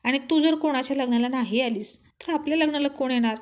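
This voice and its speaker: A woman voicing a playful, tough young husband who teases his wife lovingly, drawling some lines slowly. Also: high-pitched, close to an everyday voice. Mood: teasing. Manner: teasing, boastful, slow drawn-out lines.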